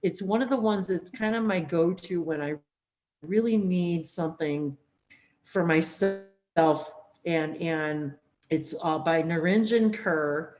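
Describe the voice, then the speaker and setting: A woman hosting a spiritual interview, talking in a rambling, animated way with plenty of fillers. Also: lowish voice, slow pace. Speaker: host. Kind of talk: casual spiritual interview chat.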